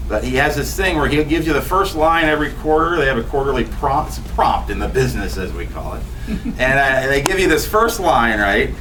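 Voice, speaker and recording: A man reads his poetry to a small bookstore crowd, trailing into chatty, joking asides full of ums. He's picked up from far off by a camera, and a steady hum of room noise sits under his voice. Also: mid-range voice. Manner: chatty, self-deprecating, many ums and laughs. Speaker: poet reading his work. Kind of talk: live poetry reading with casual asides.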